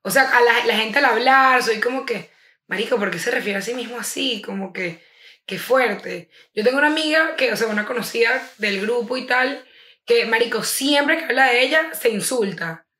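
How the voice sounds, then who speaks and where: Venezuelan woman chatting casually, slangy, bright voice, echoey room. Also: a little high, expressive, moderate pace. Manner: chatty, full of slang and fillers. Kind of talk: casual chat.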